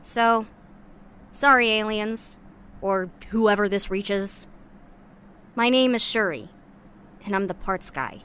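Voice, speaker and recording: A woman's voice: mid-range voice, slow, pauses often, fairly bright tone, clean tone. A woman playing a guarded, cynical young scrap scavenger in a sci-fi audio drama, talking bluntly and casually with sardonic bite. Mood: reflective, wry. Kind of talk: audio drama monologue, naturalistic.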